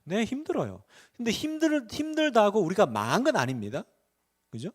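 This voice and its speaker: A man's voice: high voice, sing-song, moderate pace. A middle-aged male pastor preaching a sermon, firing rhetorical questions at the congregation and acting out the voices in his stories.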